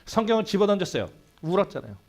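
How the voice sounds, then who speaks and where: A man preaching a Sunday sermon in a church, telling a story with sudden swings between loud and hushed delivery. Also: sits high, big pitch swings, racing. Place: church sanctuary.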